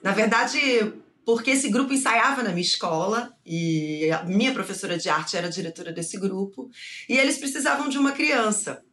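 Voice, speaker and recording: A woman's voice: medium pitch, expressive, moderate pace, a bit bright. A woman in her fifties from Bahia, a guest actress and singer telling stories in a talk show interview.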